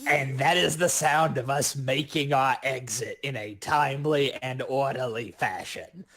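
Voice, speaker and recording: A man's voice: medium pitch, unhurried, fairly bright tone. Male tabletop player, average register, casual joking chat during a streamed game.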